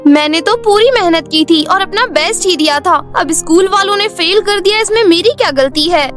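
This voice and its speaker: High-pitched, jealous schoolgirl acted by a woman, defiant, scheming, cartoon fairy tale, faint music behind. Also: normal speed, a bit bright. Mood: defiant, aggrieved. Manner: defiant, self-justifying. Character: spiteful, jealous teenage schoolgirl stepsister, whiny and scheming.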